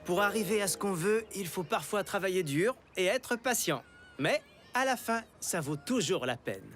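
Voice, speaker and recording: A man's voice: sits high, animated, moderate pace, music in the background. A man voicing a friendly, enthusiastic archaeologist who teaches patiently, with an encouraging, explanatory manner, in a children's cartoon dub.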